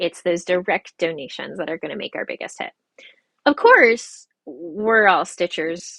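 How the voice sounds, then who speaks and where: The speaker has an American accent and a bright, sharp tone, talking at a fairly slow pace with ordinary pitch variation in a dry, close recording with no echo. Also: woman, fairly low pitch for a woman. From United States. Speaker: cross-stitch video creator. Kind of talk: casual talk to camera. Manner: many filler ums.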